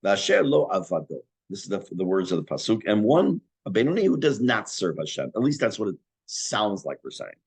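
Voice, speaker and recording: An older man teaching a Torah class in a conversational, self-deprecating way, his voice going hoarse and interrupted by throat clearing. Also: on the low side, big pitch swings, fairly quick, darkish tone. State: losing his voice. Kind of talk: Torah class, explaining text.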